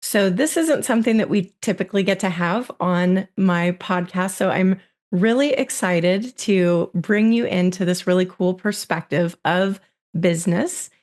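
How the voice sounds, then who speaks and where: A woman's voice: lowish voice, a little slow, darkish tone. Upbeat woman podcast host. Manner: upbeat, reads guest bio. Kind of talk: scripted intro and interview.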